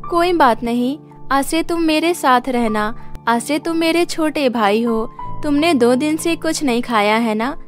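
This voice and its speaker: A high, sweet cartoon voice of a poor, kind-hearted young street girl, acted out by a woman storyteller. She talks earnestly and humbly, like a young seller trying to get by. Music plays along behind her. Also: a little slow. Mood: tender, caring. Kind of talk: cartoon moral story character acting.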